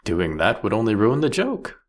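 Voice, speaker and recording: A man playing a proudly ruthless, philosophical vampire king in a fantasy audio roleplay, speaking eloquently and mockingly in a drawn-out, theatrical way. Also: on the low side, huge pitch swings. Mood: mocking amusement.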